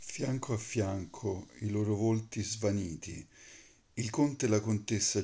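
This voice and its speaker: A man speaks with a solemn, dark and mellow tone, somewhat breathy, and a fairly low pitch. His pace is fairly slow and his intonation fairly even. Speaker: poetry reader. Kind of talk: poetry reading, reading aloud a translated poem. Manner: measured, slow, solemn; expressive, contemplative delivery. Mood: calm, solemn, measured. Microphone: phone near.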